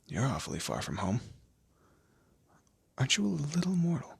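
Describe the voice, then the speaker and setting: Audio roleplay demon lord, played by a man: low and bright-edged, close and dry, haughty, teasing, drawlingly condescending. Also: sing-song, a little fast, husky, no echo, full character voice. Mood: amused, curious. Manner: theatrical, condescending, drawling, with amused asides. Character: smug, teasing male demon lord, proud torturer and bureaucrat. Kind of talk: scripted audio roleplay addressed to the listener.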